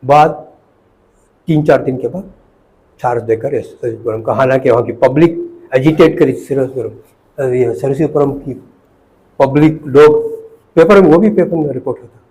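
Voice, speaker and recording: An older retired professor, reminiscing in an interview, halting and repeating words, mixing in English phrases. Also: male voice, medium pitch, warm tone, low-quality recording.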